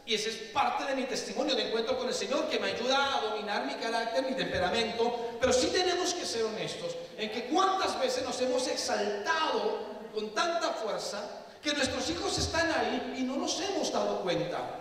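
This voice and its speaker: A man's voice: very high-pitched, animated, normal speed, fairly bright tone. A man preaching a sermon to a live congregation, impassioned and putting questions straight to the listeners. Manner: impassioned, questions the audience directly. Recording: echoey hall, voice from a distant mic.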